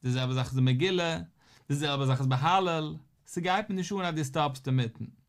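A man's voice: a little high, brisk. A man, a rabbi, giving a daily Talmud lesson, posing questions and answering them in a study singsong.

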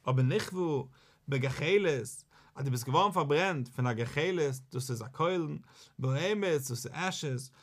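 A man, a rabbi, teaching a Talmud lesson in an animated, questioning sing-song that rises and falls. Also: fairly high pitch, normal speed.

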